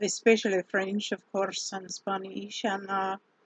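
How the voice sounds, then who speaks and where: A woman with a non-native accent speaks at a medium pitch and a fairly slow pace. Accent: foreign. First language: not English. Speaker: vlogger. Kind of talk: personal vlog. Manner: halting, many fillers.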